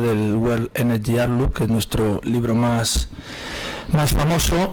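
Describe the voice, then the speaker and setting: A man's voice against noticeable background noise. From Spain. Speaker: energy market analyst. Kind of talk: conference presentation.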